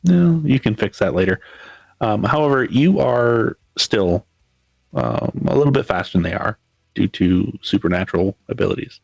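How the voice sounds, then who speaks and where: A man's voice: on the low side, animated, normal speed, gravelly, dry recording, poor audio. A man narrating a tabletop role-playing game as storyteller, rambling with many fillers. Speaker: game master.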